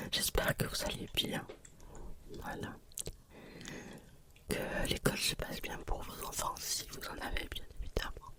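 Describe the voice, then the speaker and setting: A woman whispers at a fairly slow pace with long, frequent pauses. Noticeable background noise runs behind her. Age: 20s. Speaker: ASMR creator. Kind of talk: ASMR whisper talk. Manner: whispered.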